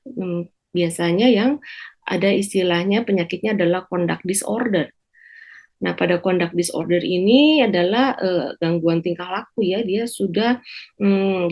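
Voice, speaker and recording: A woman psychiatrist explaining slowly on a talk show, with frequent pauses and fillers. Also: on the low side, a little mellow. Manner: measured, many hesitation fillers. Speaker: psychiatrist guest.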